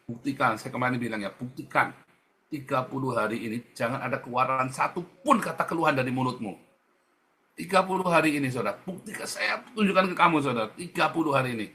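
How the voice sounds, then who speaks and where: Exhorting pastor with a tinge. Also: male voice, a little high, a bit bright, a little hiss or hum. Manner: exhorting, repetitive, keeps addressing the congregation directly. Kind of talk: sermon.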